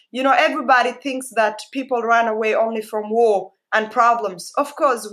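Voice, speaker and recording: A fairly high, fairly bright voice belongs to a woman guest speaker with an East African accent, Somalia-born and Kenya-raised. She gives a heartfelt personal talk, pressing her points by repeating phrases again and again.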